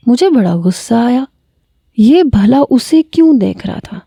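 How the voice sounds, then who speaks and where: Very dark-voiced woman storyteller. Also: on the high side, lively intonation, creaky, husky, dry recording, studio quality. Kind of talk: scripted story narration.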